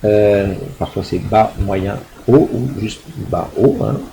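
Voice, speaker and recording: A man's voice: on the low side, slow, creaky, mellow, a little hiss or hum, poor audio. A middle-aged man, a university lecturer, explaining a recorded lecture with frequent fillers, restarts and tag questions to check understanding. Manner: hesitant, many fillers and restarts.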